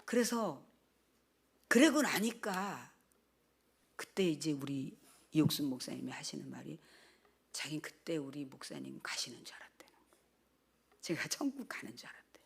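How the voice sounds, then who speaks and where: An older woman pastor giving a sermon testimony, telling her story with lively, animated delivery and acting out quoted speech. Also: deep voice, normal speed, gravelly, long pauses, breathy edge.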